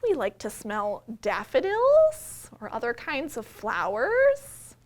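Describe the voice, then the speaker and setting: An American woman, a children's librarian, leading a read-aloud story time with simple explanations addressed to small children. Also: fairly high pitch. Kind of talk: read-aloud and sing-along for young children.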